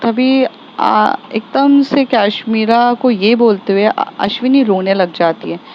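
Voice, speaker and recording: A woman tells a love story in a loose, chatty way, pausing on fillers and correcting herself as she goes. Her voice sits fairly high. The recording is dull and lo-fi, with a faint hiss. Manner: conversational, with fillers and self-corrections. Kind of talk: casual spoken storytelling.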